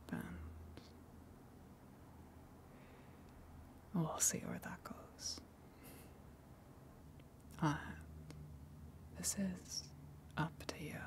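A woman playing a gentle, coaxing eldritch tentacle monster in an ASMR roleplay, speaking hesitantly and considerately with long pauses. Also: low-pitched, vocal fry, heavily acted. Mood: apologetic, coaxing.

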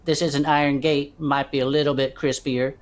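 A woman's voice: extremely low pitch, flat delivery, a little fast. A woman voicing an easygoing male adventurer with slangy, laid-back talk, in an audio drama.

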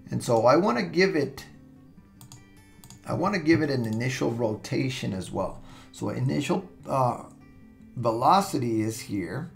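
With a mid-range voice edged by vocal fry, a man guides listeners step by step through a piece of software. He's recorded at his computer over soft background music, relaxed and musing aloud with fillers and false starts.

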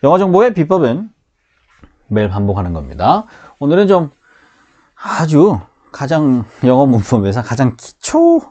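Lively man teaching beginner grammar. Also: mid-range voice, normal speed, highs cut off. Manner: lively, drills students with call-and-repeat. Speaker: English teacher.

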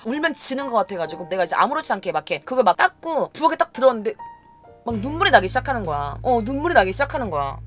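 A woman's voice: a little high, rapid-fire, faint music behind. A woman casually telling a personal story, acting out the other people's lines as she goes. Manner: animated, acts out quoted dialogue. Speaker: storytelling YouTuber.

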